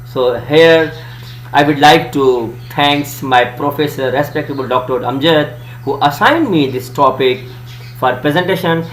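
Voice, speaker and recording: A man's voice: on the high side, a little slow. A man with a South Asian accent and Urdu as his native language gives an educational presentation in an emphatic, didactic manner. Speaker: student presenter giving a lesson. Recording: echoey room, faint hum and hiss.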